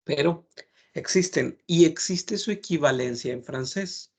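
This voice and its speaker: A man teaching a French lesson, explaining patiently and repeating words slowly to model pronunciation. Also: on the high side, slightly rough.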